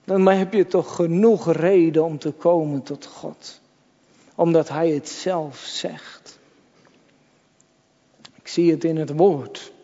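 Man, pastor, slow emphatic sermon, mellow higher voice, dull lo-fi recording, long church reverb. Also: fairly even intonation. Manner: emphatic, repetitive preaching addressed to the congregation.

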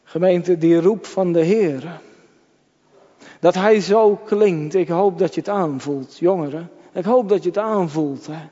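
Man, pastor, slow emphatic sermon, mellow higher voice, dull lo-fi recording, long church reverb. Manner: emphatic, repetitive preaching addressed to the congregation.

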